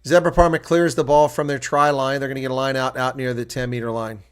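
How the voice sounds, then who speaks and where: A man from the US, with a smooth, level, mid-range voice, talks fast while calling a rugby game live by himself. He gives play-by-play and reactions in a chatty way, speaking to viewers as he goes.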